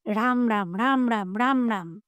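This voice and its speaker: A woman's voice: very high-pitched, measured pace, dry recording. A woman doing a frightened old village father. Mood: pleading, fearful. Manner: fearful, muttering prayers.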